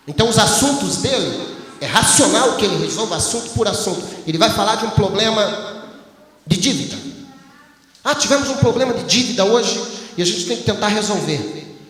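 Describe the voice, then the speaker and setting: Man, pastor, animated sermon storytelling, very high voice, booming echo. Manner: animated storytelling, acts out his wife's voice. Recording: echoey hall, faint ambience.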